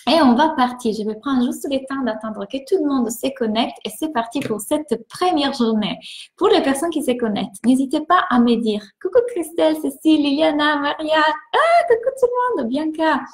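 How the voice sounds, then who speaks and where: A woman from Italy with an Italian accent, a mindset coach hosting a live stream, greeting viewers warmly and repeating words enthusiastically. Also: high voice, animated, moderate pace, echoey room.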